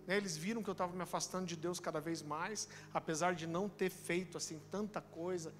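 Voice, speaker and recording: A man in his thirties with a Brazilian accent from Curitiba, preaching a sermon and telling a personal testimony in an animated storytelling way. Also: sits high, a little fast, big-room sound, slight background noise. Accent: Brazilian Portuguese, Curitiba. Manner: animated storytelling, addresses listeners as brother. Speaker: pastor. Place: church auditorium.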